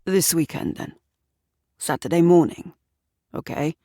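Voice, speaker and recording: A woman voicing a sad, weary husband who speaks quietly and pleadingly. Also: low-pitched, measured pace, no room sound, clean studio sound.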